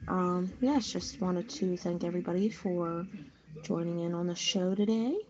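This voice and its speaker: Lower-pitched woman on noisy lo-fi audio. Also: moderate pace. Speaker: radio show participant. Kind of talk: casual radio chat. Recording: dull lo-fi radio-app audio, faint noise.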